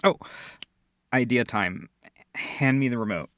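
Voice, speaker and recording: Guy acting as a sweet comforting boyfriend, soft asmr roleplay, takes his time, bit of vocal fry. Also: mid-range voice, expressive, no echo, studio quality. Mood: playful, affectionate. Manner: soft, tender, unhurried, reassuring. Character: gentle, affectionate boyfriend comforting a partner at Christmas.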